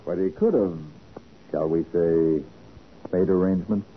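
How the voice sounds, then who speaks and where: An actor playing a shrewd, commanding American private detective in a 1940s radio drama, methodical and deliberate. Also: male voice, deep voice, steady tone, phone-quality sound. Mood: assured, deducing. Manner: assured, deliberate, interrogating. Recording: scratchy band-limited 1940s radio recording.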